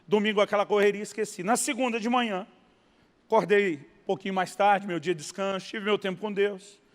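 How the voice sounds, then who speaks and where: A man from Brazil preaching a sermon as a pastor, telling a story with lively acted-out dialogue. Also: sits high, brisk. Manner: animated storyteller, acting out dialogue, laughing at punchlines. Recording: long hall reverb.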